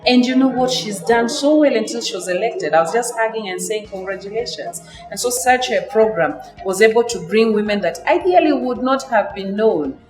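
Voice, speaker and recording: A woman's voice: fairly high pitch, lively intonation, moderate pace, hardly any pauses. A woman sharing a personal account in a documentary interview. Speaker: facilitator and former candidate. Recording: echoey room, clear music behind. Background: background music.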